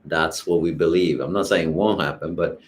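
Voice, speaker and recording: A man from Sweden calmly explaining wellness ideas in a casual masterclass, using everyday examples. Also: low-pitched, fairly quick, a little hiss or hum.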